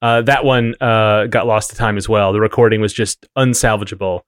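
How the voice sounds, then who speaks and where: A man's voice: fairly low pitch, steady tone, fairly quick, clean tone, no echo, clean studio sound. A man co-hosting a podcast in casual chat, with a wry, rambling way of explaining things. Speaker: podcast co-host.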